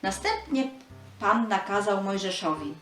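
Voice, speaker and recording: A woman's voice: mid-range voice, animated, a little slow, fairly bright tone, echoey room, faint music behind. A woman giving a scripted narration of a Bible story for children.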